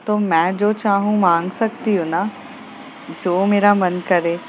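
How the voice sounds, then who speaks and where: A woman softly voicing a bold, protective young woman in love. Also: medium pitch, fairly even intonation, slow pace, highs cut off, a little hiss or hum, lightly acted. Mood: tender.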